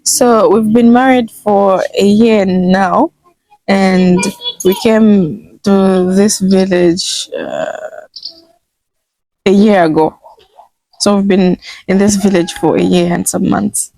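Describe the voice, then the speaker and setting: Young woman from Zambia, interviewee, slow measured speech, thoughtful pauses, dry close sound. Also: medium pitch, fairly even intonation, dark tone, no room sound, low-quality recording. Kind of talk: casual interview.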